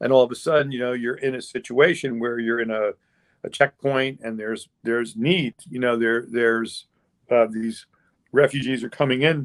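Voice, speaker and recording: This man has a medium pitch and fairly even intonation. His pace is moderate. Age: 60s. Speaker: journalist and volunteer aid worker. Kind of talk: interview. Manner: halting, many fillers and repetitions.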